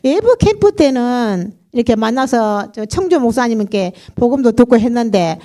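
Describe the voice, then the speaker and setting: A middle-aged woman with a Gyeongsang dialect tells her story to a church congregation, and her voice sits a little higher than most. She talks in a chatty, laughing way and slips into other people's voices as she goes. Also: expressive, normal speed, warm tone. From Daegu region, South Korea. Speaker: church member giving testimony. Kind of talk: personal testimony to a congregation.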